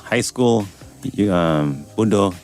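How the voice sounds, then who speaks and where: A Ugandan man in his forties, a doctor, telling his life story in a relaxed interview with easy laughs. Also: fairly low pitch, takes it slowly. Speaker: doctor and guest. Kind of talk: casual interview chat.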